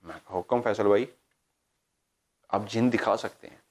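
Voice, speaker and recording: Speaking at a moderate pace in a lowish voice, this paranormal show host — a middle-aged man from Pakistan — narrates a story in an easygoing, animated way. He performs the dialogue, goes off on side points, and corrects himself along the way.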